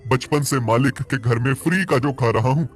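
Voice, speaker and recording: A man performs a sulky black bull from a cartoon fable. The voice is husky and bitter, heavy with self-pity and jealousy. Faint music plays underneath. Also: mid-range voice, moderate pace, natural voice. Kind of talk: animated moral story character voice.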